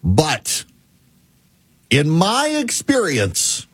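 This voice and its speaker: A man's voice: a little high, wildly swooping pitch, drawn-out words, a bit bright, breathy edge. A man hosting a political talk show, delivering sarcastic, emphatic commentary and often repeating himself. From Southern United States.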